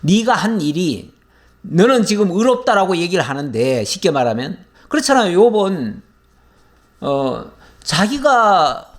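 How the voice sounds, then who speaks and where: Lively high-voiced man teaching scripture. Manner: explanatory, asks and answers his own questions. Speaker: pastor. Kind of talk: verse-by-verse Bible lecture.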